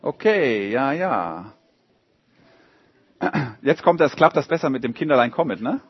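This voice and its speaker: A man reading a story aloud to a group of children and drawing pictures along with it, in a lively, animated way. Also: mid-range voice, unhurried, slightly rough, no echo, muffled recording.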